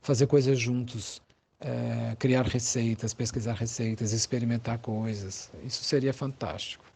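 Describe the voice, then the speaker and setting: Mellow-voiced Brazilian man explaining thoughtfully. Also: mid-range voice, fairly even intonation, gravelly, husky. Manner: thoughtful, halting, searching for words with repetitions. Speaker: psychologist being interviewed. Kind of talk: explanatory interview answers, conversational.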